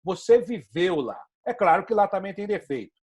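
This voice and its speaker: A male host with a Brazilian Portuguese accent chats on a sports talk show. His voice sits a little high, and he builds his opinions in long, fluent stretches. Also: animated, moderate pace, darkish tone, husky. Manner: opinionated, flowing commentary. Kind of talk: casual interview chat.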